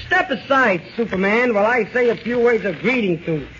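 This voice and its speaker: A man playing a blustering, easily flustered boss, excitable and indignant, in a 1940s radio comedy sketch. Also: sits high, brisk. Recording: muffled, slightly noisy 1940s recording.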